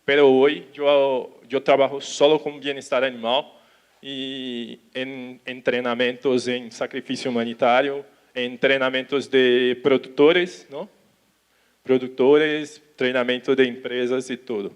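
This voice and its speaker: A man with a Brazilian accent, a native Portuguese speaker who cannot roll his R, giving an informal conference talk haltingly, mixing in Portuguese words and checking that listeners follow. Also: mid-range voice, little pitch movement, smooth. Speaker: animal welfare consultant giving a talk.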